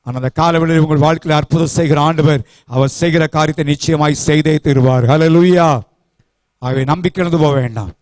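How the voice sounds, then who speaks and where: A man's voice: a little high, a little fast, darkish tone, dry recording. A man preaching a Sunday sermon as pastor, emphatic and rhythmic, asking the congregation questions and repeating key words. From South India. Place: church.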